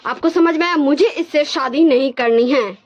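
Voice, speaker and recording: A woman's voice: high-pitched, moderate pace, pitched above the performer's own voice, close to an everyday voice. A woman voicing a cold, angry young male professor who talks harshly, in a dull lo-fi recording. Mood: shouting. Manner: harsh, shouting.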